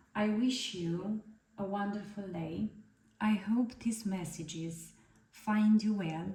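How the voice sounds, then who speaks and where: Over noticeable background noise, a woman with a non-native accent speaks very slowly at medium pitch and with fairly even intonation. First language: not English. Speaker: tarot reader. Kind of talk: spiritual guidance reading. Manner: halting.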